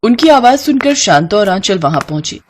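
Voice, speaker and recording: A woman's voice: medium pitch, big pitch swings, brisk, slight background noise. A woman giving scripted narration for a cartoon story.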